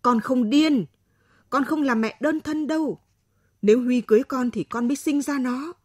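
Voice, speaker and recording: A woman reading a story aloud, voicing a defiant young pregnant student whose voice is sharp and rising. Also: sits high, moderate pace, no room sound, studio quality. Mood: defiant, bitter.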